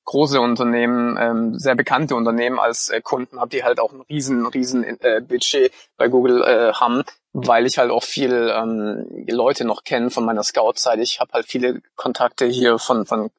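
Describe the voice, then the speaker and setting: Swabian guy chatting on a podcast, kinda husky, dry close sound, lots of ähms. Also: medium pitch, normal speed, dry recording. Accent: light Swabian. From Stuttgart, Germany. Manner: relaxed, chatty, many fillers. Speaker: podcast co-host, online marketing consultant. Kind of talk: casual podcast chat.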